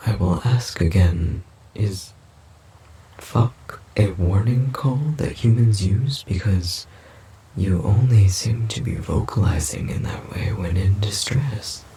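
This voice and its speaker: A man playing a gentle, puzzled forest demon in an audio roleplay, speaking haltingly and formally in a breathy, gravelly half-whisper. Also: lowish voice, a little hiss or hum, poor audio. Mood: hesitant, puzzled. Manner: halting, formal, literal-minded speech. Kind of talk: audio roleplay, slow character acting.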